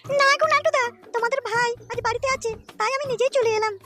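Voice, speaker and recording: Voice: extremely high pitch, quick pace, loud music behind the voice. An actor voicing a coy, flirtatious neighbour woman in a comic cartoon.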